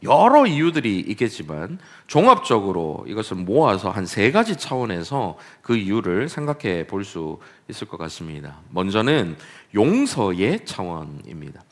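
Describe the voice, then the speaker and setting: A man's voice: on the low side, big pitch swings, moderate pace, hardly any pauses, a bit bright. A man preaching a Sunday sermon as pastor, acting out scripture quotes with dramatic emphasis. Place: church sanctuary.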